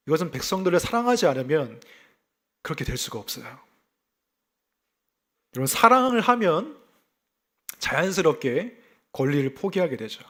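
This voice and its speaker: Speaking with a fairly high pitch, a pastor from South Gyeongsang, South Korea, gives a lively expository sermon. Scripture explanation is mixed with his own stories, and he frequently asks the congregation rhetorical questions.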